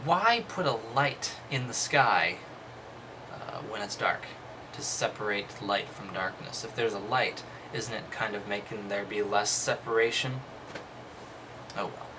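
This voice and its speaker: A man's voice: lowish voice, expressive, measured pace, background noise. A man reading a text aloud and commenting casually, with dry, skeptical, dismissive asides. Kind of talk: casual commentary between read-aloud passages.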